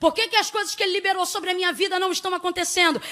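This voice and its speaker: A woman with an extremely high pitch speaks in a raised, projected voice. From Brazil. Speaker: missionary preacher. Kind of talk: evangelical Pentecostal sermon, exhorting a congregation about faith and scripture. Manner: emphatic, repeating phrases for effect; rhetorical questions, rising fervent pulpit cadence. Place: church. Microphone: handheld.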